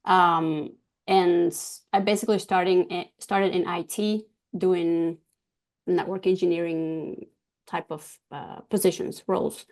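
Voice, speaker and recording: A woman from Argentina whose first language is Spanish, a guest talking about her business in an interview, pausing often with ums and restarts. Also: lowish voice, fairly even intonation, darkish tone. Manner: hesitant, many ums and restarts. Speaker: guest, cybersecurity business owner. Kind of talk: casual interview talk.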